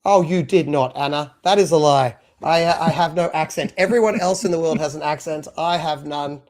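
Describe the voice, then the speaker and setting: The voice is a man's, fairly high in pitch, moderately paced and a little mellow. As co-host of a live stream podcast, he talks in a chatty, rambling way full of fillers; he relocated to Australia from abroad at three years old.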